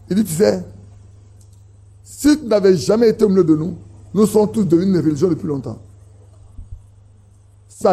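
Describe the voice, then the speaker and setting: Man, husky, mellow, emphatic preaching. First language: an Ivorian language. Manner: emphatic, rising in pitch to stress points, repeats phrases. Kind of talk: sermon.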